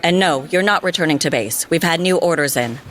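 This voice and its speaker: Senior woman agent, stern, curt, authoritative, deadpan, audio drama. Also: deep voice, brisk. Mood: commanding.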